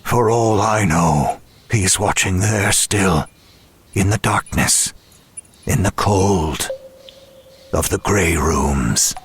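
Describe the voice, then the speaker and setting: Worn out tormented man narrating horror audio drama, slow n grave, deepish voice, lots of pauses. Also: slight background noise. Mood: grim, resigned. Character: weary tormented man, narrating his ordeal in horror tale.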